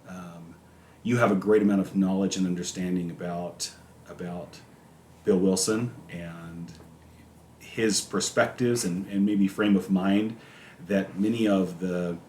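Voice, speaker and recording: A man co-hosting a recovery podcast, chatting casually and trailing off quietly between phrases. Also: sits low, steady tone, unhurried. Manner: trailing off quietly, many fillers. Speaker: podcast co-host. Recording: echoey room with faint noise.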